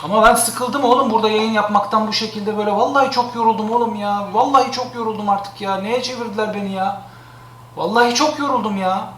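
A streamer man complains live, exasperated, circling back over the same gripes. His voice sits very high and sounds bright and sharp. The room around him rings with echo. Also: fairly even intonation, quick pace, a little hiss or hum. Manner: exasperated, complaining, repeats himself.

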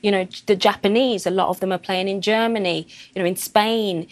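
Woman, 30s, mid pitch, firm direct football analysis, lapel mic. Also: steady tone, fairly quick. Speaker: football pundit. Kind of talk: post-match studio analysis. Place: TV studio above a stadium.

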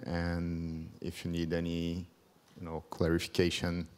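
A man's voice: deep voice, monotone, darkish tone. A man in his thirties from Brazil, speaking English with a Brazilian accent as a second language. He gives a careful conference presentation at a podium mic, with frequent ums. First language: Portuguese. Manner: measured, careful non-native English with many ums. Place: large conference hall, at a podium. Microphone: podium microphone.

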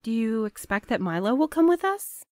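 A woman playing a gentle, hesitant, romantic young courier in an audio drama, thoughtful and a little awkward. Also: on the high side, big pitch swings, normal speed, no echo.

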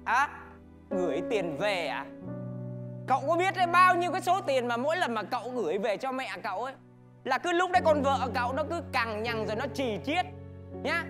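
A woman playing an indignant neighbor who lectures in a stage comedy sketch. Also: a little high.

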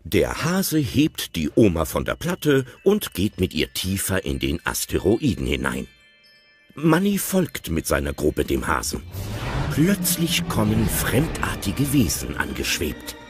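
A man narrating an audio drama in a lively storytelling manner. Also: deep voice, measured pace. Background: music.

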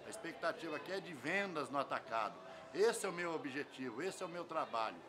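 A man's voice: fairly high pitch, lively intonation, brisk. An older man with a Brazilian accent, giving an emphatic interview as a fair organizer, driving points home with repeated phrases. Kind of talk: on-camera news interview. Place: semi-open covered event hall. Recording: clear ambient noise of an open venue.

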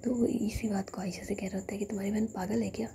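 Dark gravelly whispering woman storyteller. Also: medium pitch, steady tone, fast talker, slight background noise. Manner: retells a romance story, quoting each character.

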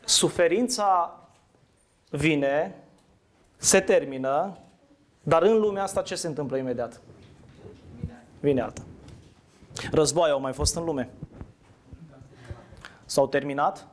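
A man delivers a sermon in a relaxed, conversational way, often putting questions to his listeners and then answering them. His voice sits a little high for a man. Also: pauses often, a little hiss or hum. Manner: asks the audience questions, conversational. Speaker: preacher. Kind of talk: interactive sermon.

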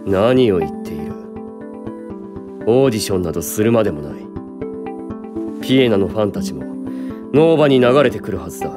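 A man's voice: fairly low pitch, animated, brisk, pauses often, over music, lightly acted. An actor playing a stern, arrogant young male producer in a voice drama, speaking coldly and curtly. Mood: indignant. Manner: cold, curt, commanding. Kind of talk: anime-style voice drama acting.

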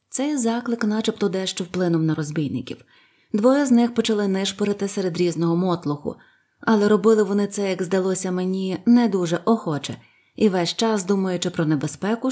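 Breathy woman reading a storybook aloud. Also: medium pitch, brisk. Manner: lively expressive reading. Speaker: audiobook reader. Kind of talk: storybook narration.

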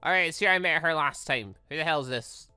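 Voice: mid-range voice, lively intonation, fast, sharp tone, smooth, dry recording, faint music behind. A gaming host doing let's-play commentary, reading visual novel dialogue aloud with exclamatory, playful asides.

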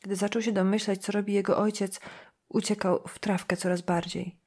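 A woman reading a weary older farm wife and guilt-ridden mother, speaking in a hushed, pleading, sad way. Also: mid-range voice, little pitch movement, normal speed, breathy edge.

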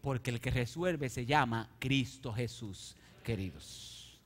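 A man preaching a sermon, swinging from soft, intimate asides to loud, rising appeals and question-and-answer calls to the congregation. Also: mid-range voice, a little slow. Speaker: pastor.

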